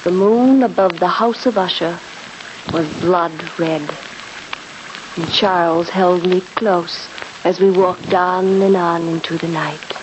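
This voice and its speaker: An actress narrating as a young woman recalling a terrifying escape, in measured storytelling, in an old radio drama. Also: lowish voice, fairly even intonation, very noisy. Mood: solemn. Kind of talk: 1940s radio acting.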